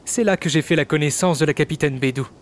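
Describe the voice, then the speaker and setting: A man's voice: fairly high pitch, fast, slight background noise, natural voice. A man playing an affable young servant of a noble clan in a game dub, speaking politely and formally. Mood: affable, admiring. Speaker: amateur voice actor dubbing a game character. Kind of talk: scripted game dialogue dub.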